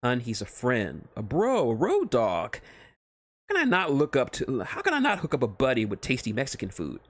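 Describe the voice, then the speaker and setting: A man's voice: mid-range voice, huge pitch swings, moderate pace, a bit bright. A man voicing a brash, petty restaurant boss who is glib and whines when challenged, in a comic story reading. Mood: pleading, joking.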